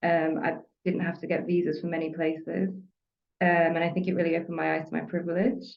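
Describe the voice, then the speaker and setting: A woman's fairly low, fairly even voice at a fairly quick pace, with audible room echo. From northern England, between Liverpool and Manchester. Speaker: pharmacist and community liaison. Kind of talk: interview. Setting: call. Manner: hesitant, many fillers.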